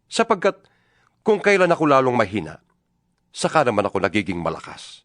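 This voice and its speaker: A man playing an earnest, defiant yet humble apostle in a dramatized audio Bible, speaking emphatically with dramatic pauses. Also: medium pitch, a bit bright, dry recording, studio quality. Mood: fervent, resolute. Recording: music under the voice. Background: New-age style music.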